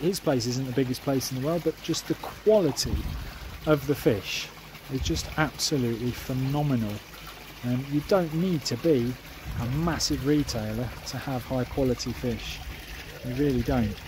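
A man at a moderate pace with long, frequent pauses, in a dry sound with no echo and noticeable background noise. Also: ordinary pitch variation. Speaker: koi hobbyist vlogger. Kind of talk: casual vlog chat. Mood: enthusiastic, relaxed. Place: garden. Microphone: phone near.

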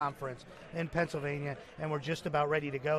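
A man is heard in a dry sound with no echo, with noticeable background noise behind him. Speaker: basketball play-by-play announcer. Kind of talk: rapid-fire college basketball play-by-play commentary. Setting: courtside in a gymnasium. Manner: bursts of excitement on made shots. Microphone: headset.

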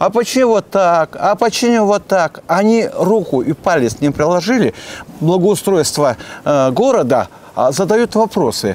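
A man's high voice with very wide pitch swings at a fairly slow pace. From Russian Far East. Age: 70s. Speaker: homeowners' association chairman. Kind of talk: interview storytelling.

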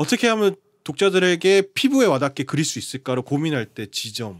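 A man at a moderate pace, in a very clean recording with a silent background. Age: 30s. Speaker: webtoon artist. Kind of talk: interview. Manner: halting.

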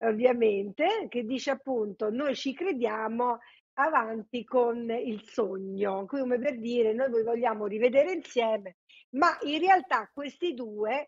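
Over a quiet background, a woman talks at a very slow pace. Her pitch is high, with ordinary variation. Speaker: remote TV commentator. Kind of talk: commentary. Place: home room. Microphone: video call.

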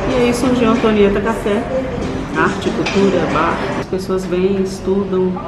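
Loud music plays in the background as a woman talks. She keeps a moderate pace with ordinary pitch variation. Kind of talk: interview answer. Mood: warm, smiling, nostalgic. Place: cafe. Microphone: camera far.

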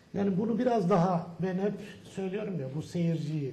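The words come at a fairly slow pace over light background noise, with audible echo from the room. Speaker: football commentator. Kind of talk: sports panel discussion. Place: studio.

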